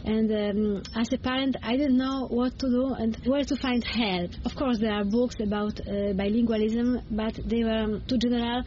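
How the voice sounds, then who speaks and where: A Polish-accented woman explains things in an interview, often searching for words. Her voice is fairly high and relaxed, over faint background noise. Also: normal speed, hardly any pauses, highs cut off. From Poland. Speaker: interview guest, bilingual education coach.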